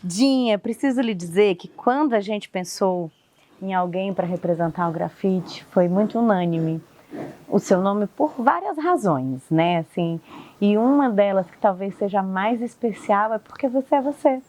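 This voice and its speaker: A woman interviewing a guest, speaking gently and effusively. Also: medium pitch, lively intonation, moderate pace. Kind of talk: warm interview questions. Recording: faint background noise.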